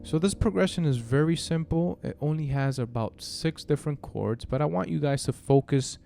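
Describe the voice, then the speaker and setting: A man giving a casual piano lesson, explaining step by step in a halting way with frequent check-ins. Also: on the high side, gravelly. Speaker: piano tutor. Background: piano chords played alongside the voice.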